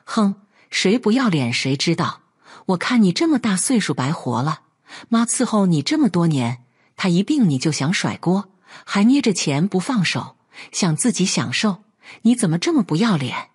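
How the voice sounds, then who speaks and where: A woman voicing an indignant, sharp-tongued young wife who scolds her selfish father-in-law in a read-aloud story. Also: lowish voice, sing-song, normal speed, breathy edge, heavily acted.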